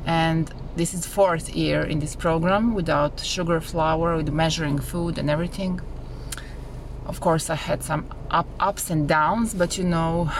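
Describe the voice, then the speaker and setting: A woman's voice: low-pitched, background noise. A woman from Serbia with a Serbian accent, earnestly sharing her testimony in simple English with small slips. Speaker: program member sharing testimony. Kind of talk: casual home video testimony.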